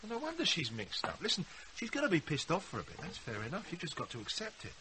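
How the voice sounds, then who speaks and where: A man's voice: high-pitched, huge pitch swings, quick pace, pushed and bright, slight background noise, full character voice, low-quality recording. An actor playing a blunt, cocky, wry British businessman in a naturalistic radio drama. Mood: blunt, assured. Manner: blunt, matter-of-fact, wry. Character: blunt, cocky businessman, tipsy partner of a mother.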